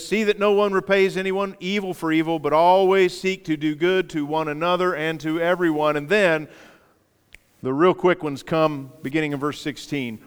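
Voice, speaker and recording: A man preaching in a church hall, his smooth, resonant voice trailing a long reverb. He leads the congregation in call-and-response with a lively delivery and playful asides. His voice sits a touch higher than most men's. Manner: playful asides and light humor. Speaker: pastor. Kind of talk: sermon. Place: church sanctuary.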